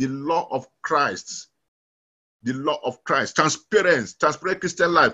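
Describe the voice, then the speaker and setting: Over a quiet background, a man with a fairly high pitch and a bright, sharp tone speaks at a fairly slow pace with ordinary pitch variation. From Nigeria. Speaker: pastor. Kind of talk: sermon. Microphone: webcam.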